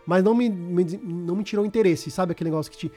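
A man's voice: high-pitched, racing, mellow, faint music behind. A Brazilian man chatting casually as a podcast host, slangy and often repeating words as he searches for phrasing. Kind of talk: casual chat about video games.

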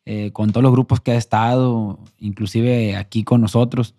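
A man hosts a casual interview and chips in with short follow-up questions. His voice is dark and mellow, recorded dry and close, at a middle pitch. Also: steady tone, normal speed, no room sound. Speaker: host.

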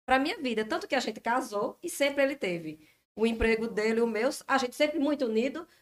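Woman guest, higher-pitched, chatty storyteller in casual talk. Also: lively intonation, a little fast. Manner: storytelling, chatty, quotes her husband. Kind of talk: casual chat.

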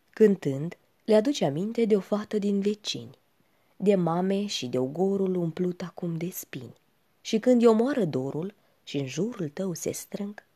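Woman reading poems real slow and hushed, breathy husky voice, kinda mellow. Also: lowish voice. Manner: slow, hushed, often sinking to a whisper. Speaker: reader. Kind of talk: poetry recitation.

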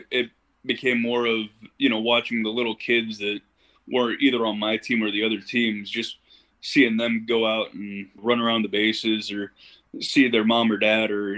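A man's voice: lowish voice, fairly bright tone, poor audio. Easygoing young man telling stories. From Ohio. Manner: easygoing storyteller, uses fillers like "you know". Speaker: podcast guest. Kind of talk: casual interview chat.

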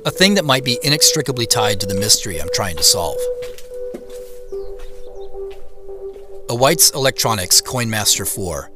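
A man playing an earnest, searching tech executive, narrating his own story in a deliberate, dramatic audio drama style. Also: lowish voice, lively intonation, natural voice. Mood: suspenseful, awed. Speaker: lead actor and narrator. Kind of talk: scripted first-person audio drama narration. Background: music bed.

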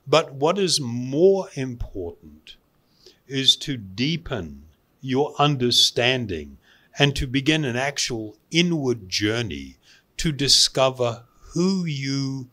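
Male spiritual teacher, mid-pitched, very unhurried delivery with pauses and emphatic repetition. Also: fairly bright tone. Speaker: spiritual teacher giving a talk. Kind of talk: spiritual lecture to a live audience.

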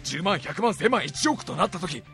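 Man playing a raspy, solemn, loyal soldier ant. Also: high voice, big pitch swings, normal speed, pushed and bright, soft background music, voice pushed up, full character voice. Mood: earnest, grand. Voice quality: hoarse, raspy. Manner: formal, earnest, declamatory.

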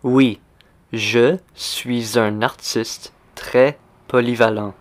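A man hosting a language lesson, speaking slowly and deliberately and repeating simple phrases for learners. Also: mid-range voice, fairly even intonation. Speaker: language teacher. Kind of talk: slow scripted language lesson.

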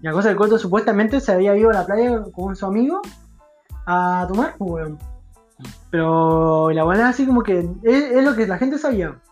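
Un hombre joven con acento chileno que cuenta una anécdota entre amigos, con mucha jerga y voces imitadas. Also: male voice, sits high, a little fast, soft background music. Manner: animated, acts out quoted voices, heavy slang. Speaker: storyteller among friends. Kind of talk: casual chat.

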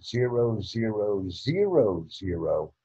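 A low-pitched American man with a husky edge to his voice, speaking slowly and formally. His tone is dark and mellow, and every word is clearly set out, like a tutor leading an online call. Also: sing-song, lo-fi sound. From United States. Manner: formal, deliberate, clearly enunciated. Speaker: YouTube tutor hosting a video call. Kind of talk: slow, careful call with a learner. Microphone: computer mic on a video call.

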